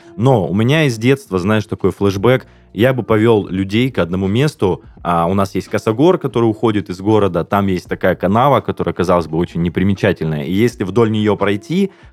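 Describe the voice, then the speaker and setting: Recorded in a dry, close sound with no echo, a man with a normal speaking voice talks at a fairly quick pace and a fairly low pitch with ordinary pitch variation. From southern Russia, Kuban (Ust-Labinsk). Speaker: podcast guest. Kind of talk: casual chat.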